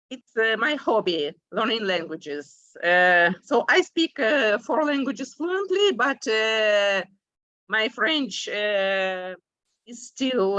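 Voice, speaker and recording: Hesitant Russian-native woman presenting slowly. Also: medium pitch, fairly bright tone, no room sound, lo-fi sound. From Ukraine. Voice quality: frequent hesitations, many drawn-out "uh"s. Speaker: symposium presenter, English teacher. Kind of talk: conference presentation.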